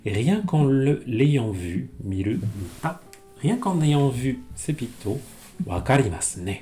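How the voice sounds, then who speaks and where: Calm low-voiced teacher. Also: male voice, soft background music. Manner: reads Japanese slowly, then explains in French. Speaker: Japanese teacher. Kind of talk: language lesson reading a text aloud.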